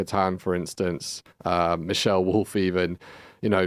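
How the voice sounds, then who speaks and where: A man's very deep, low voice in a London accent, deadpan and monotone with flat intonation, against a quiet background. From London, North London. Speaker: stand-up comedian. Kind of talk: casual chat. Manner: monotone, deadpan.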